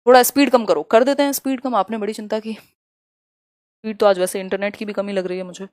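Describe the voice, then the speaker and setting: A woman teaching an exam-prep lesson live, reading questions aloud slowly and chatting with viewers as she explains. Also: mid-range voice, steady tone, darkish tone, no room sound, studio quality. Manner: chatty, answers viewers' comments.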